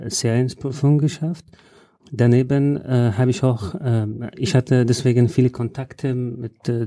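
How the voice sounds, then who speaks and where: A man from Afghanistan, answering interview questions in halting, full of hesitations. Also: medium pitch, warm tone, no room sound, studio quality. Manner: halting non-native German with frequent "äh" fillers. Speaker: guest, journalist.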